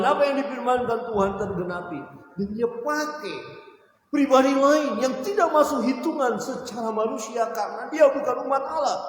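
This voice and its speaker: A man's voice: very high-pitched, slight background noise. A male pastor preaching a sermon emphatically, asking rhetorical questions. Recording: very echoey hall with long reverb.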